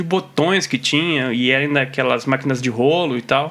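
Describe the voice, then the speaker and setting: This man has a Paraná accent and a bright, sharp tone. He talks at a moderate pace with ordinary pitch variation. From southern Brazil, Paraná. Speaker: podcast co-host, sound engineer. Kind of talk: casual interview chat. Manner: halting, many repetitions.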